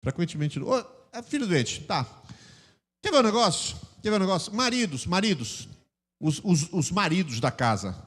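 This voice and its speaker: An older man preaches with a Brazilian Portuguese accent, his fairly high voice leaping up and down as he acts out little scenes. Long reverb from a large church hall trails behind every phrase. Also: normal speed, slightly rough. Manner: animated, acts out quarrels with sudden shouts and mock voices. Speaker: pastor. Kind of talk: sermon.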